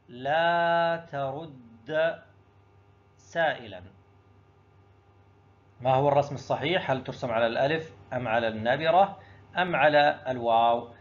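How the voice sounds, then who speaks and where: Speaking straight to his class, a man teaches an exam review, putting questions to himself and then walking through each answer step by step. His pitch is medium and the recording sounds dull.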